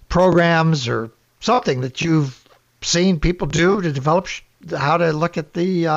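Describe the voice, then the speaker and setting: Gravelly-voiced male radio host. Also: on the high side. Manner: conversational, rambling questions with restarts. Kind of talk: hosting an interview show. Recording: dull lo-fi radio audio.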